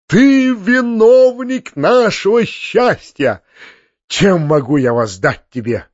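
A fervent, kind-hearted colonel, as a male reader puts him on, pitched high with exalted feeling. The recording is dull and dry. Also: sing-song, normal speed, husky, no room sound, full character voice. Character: emotional, kind-hearted middle-aged colonel.

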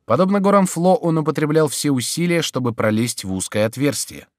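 A man narrating an audiobook in an expressive, animated storytelling manner. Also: fairly high pitch, fairly quick, no room sound. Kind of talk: scripted narration. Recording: dry studio audiobook.

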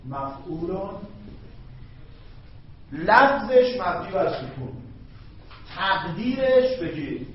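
A man's voice: high-pitched, very animated, long pauses, a little hiss or hum. A man teaching grammar in a classroom lecture, often stopping to check whether his students follow. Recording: echoey, dull classroom recording.

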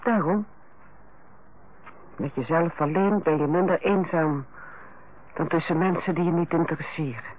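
An actress playing a stern, lonely older head nurse in a Dutch radio play, formal and reserved in manner. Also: female voice, deep voice, measured pace, long pauses, husky. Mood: guarded, bitter. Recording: tinny, band-limited old radio recording, faint noise.

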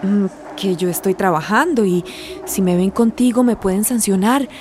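A woman playing a young migrant nurse in a radio drama, talking in a quick, lively way. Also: mid-range voice, slight background noise, natural voice. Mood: flustered.

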